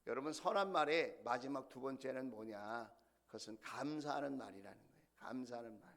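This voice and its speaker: A man's voice: mid-range voice, brisk, fairly bright tone. A middle-aged male senior pastor delivering a sermon, telling stories with animation and putting questions to the congregation.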